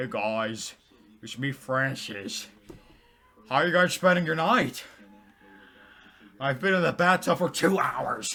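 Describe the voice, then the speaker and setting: A loud, whiny, put-on character voice from a man, fairly high in pitch, at a fairly slow pace with long, frequent pauses. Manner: loud, whiny, exaggerated.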